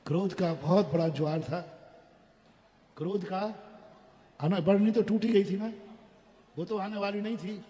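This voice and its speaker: A man preaching a sermon, telling a story and addressing the audience directly in an animated way. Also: high-pitched, unhurried, pauses often, long reverb tail. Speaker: Jain preacher.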